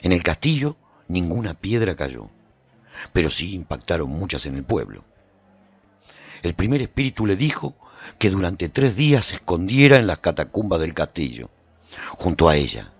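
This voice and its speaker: Radio serial narrator: weary apocalypse survivor, low-pitched, rough-edged, suspenseful storytelling in a dry studio sound. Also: male voice, big pitch swings, moderate pace, dry recording, muffled recording, heavily acted. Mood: solemn storytelling. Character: weary, wary male survivor recounting his journey after apocalypse. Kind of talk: scripted dramatic first-person radio serial narration.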